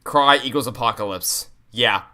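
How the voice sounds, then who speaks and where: Bright-voiced man, exasperated game commentary. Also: medium pitch, normal speed. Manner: ranting, exasperated, sweary. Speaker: gaming streamer playing through a game. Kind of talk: casual game commentary, chatty.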